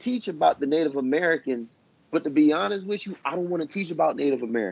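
This man has a plain, everyday voice with fairly high pitch. His intonation is lively. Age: 30s. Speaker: teacher and coach, new podcast co-host. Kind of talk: casual chat.

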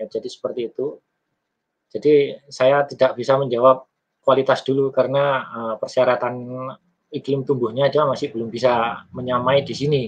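Speaking at a moderate pace and medium pitch, a man keeps his intonation monotone and flat while his loudness swings widely. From Surabaya, East Java, Indonesia. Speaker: agronomist / apple farming expert. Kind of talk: online Q&A answers. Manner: hesitant, many fillers.

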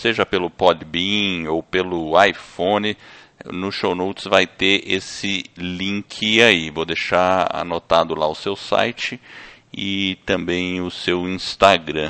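A man's very deep, low pitch at a very slow pace, with fairly even intonation. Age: 50s. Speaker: podcast host. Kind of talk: casual interview.

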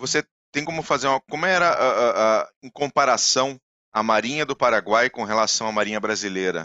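A plain, everyday voice, this man speaks at a medium pitch and a fairly quick pace with lively intonation. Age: 40s. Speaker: podcast host. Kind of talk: casual chat.

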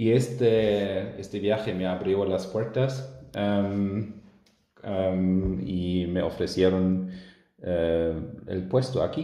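A man with a German accent speaks very slowly in a fairly low, dark, mellow voice with ordinary pitch variation. Audible room echo surrounds him. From southern Germany, near Austrian border. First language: German (speaking Spanish). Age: 30s. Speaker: engineer and language student. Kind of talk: interview. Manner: halting.

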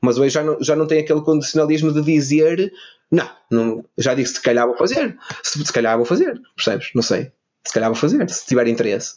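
A man's normal speaking voice, fairly high in pitch, with ordinary pitch variation and a fairly quick pace. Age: 40s. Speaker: podcast guest. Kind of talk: casual chat.

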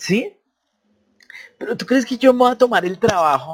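A man talks at a moderate pace. His tone is animated. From Colombia. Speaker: English teacher. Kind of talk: casual monologue. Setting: library.

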